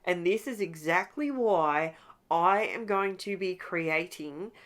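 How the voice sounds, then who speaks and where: Aussie lady a bit blocked up, chatty and excited about her crafts, lowish voice. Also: slow pace. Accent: Australian. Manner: chatty, enthusiastic, talks while crafting. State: congested nose, recovering voice. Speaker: scrapbooking channel host. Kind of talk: casual craft tutorial chat.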